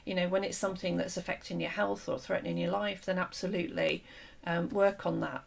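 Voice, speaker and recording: Gravelly-voiced woman hosting a discussion. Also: lowish voice, little pitch movement, brisk. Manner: earnest, explanatory, with frequent fillers and restarts. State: losing her voice. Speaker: host. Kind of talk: conversational discussion.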